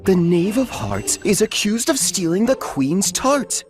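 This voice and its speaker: A woman putting on a dutiful white rabbit courtier, earnest, formal, slow and lilting. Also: mid-range voice, sing-song, darkish tone, soft background music.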